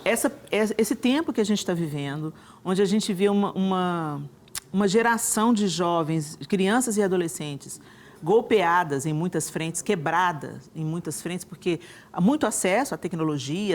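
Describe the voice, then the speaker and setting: Speaking from a television studio, the talk show host is animated, with a lowish voice and a moderate pace. She talks with enthusiasm, often restarting and tacking on tag questions.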